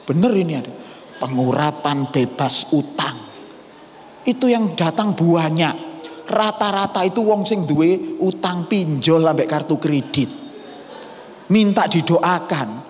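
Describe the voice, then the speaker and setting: A man's voice: on the high side, measured pace, a little hiss or hum. A man with an East Javanese accent preaching a sermon as pastor, telling stories and slipping Javanese and English words into his talk. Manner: mixes Javanese and English into Indonesian, storytelling. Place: church hall. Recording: church hall reverb.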